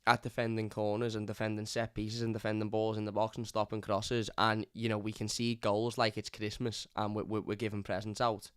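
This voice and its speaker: A hoarse man, hosting a live fan review and ranting bluntly. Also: on the low side, completely flat delivery, fairly quick, hardly any pauses, fairly bright tone, no room sound, clean studio sound. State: hoarse from lost voice. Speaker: fan channel host. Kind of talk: live stream match review.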